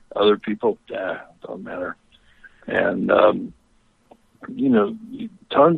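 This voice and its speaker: A man speaking at a fairly slow pace. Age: 60s. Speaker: herbalist and acupuncturist. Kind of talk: casual chat. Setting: Skype call. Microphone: internet call delay.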